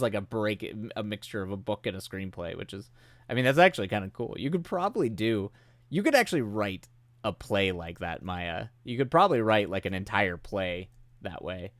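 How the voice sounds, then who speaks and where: Low-voiced man chatting as he comes down sick. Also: expressive, brisk, dry recording, studio quality. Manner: rambling, self-deprecating, laughs often. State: getting sick, voice starting to go. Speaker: streamer hosting writing sprints. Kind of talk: casual chat with live chat.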